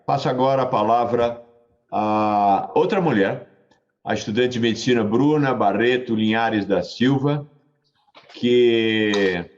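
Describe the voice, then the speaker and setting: A man's voice: fairly low pitch, highs cut off. A man with a Brazilian accent chairs the session, thanking speakers and making courteous, formal introductions over a video call. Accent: Brazilian Portuguese.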